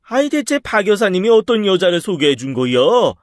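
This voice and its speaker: A man's voice: medium pitch, a little slow, no room sound, clean studio sound, close to an everyday voice. A man voicing a boisterous older male farm boss who drawls in a countrified way, in a storybook reading. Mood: overjoyed.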